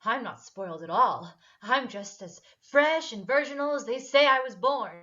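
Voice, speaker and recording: A woman's voice: on the high side, animated, moderate pace, fairly bright tone. A woman playing a volatile, wounded, defiant teenage girl in a dramatic table read, over dull lo-fi audio. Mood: hysterical mockery. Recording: dull, lo-fi online call audio.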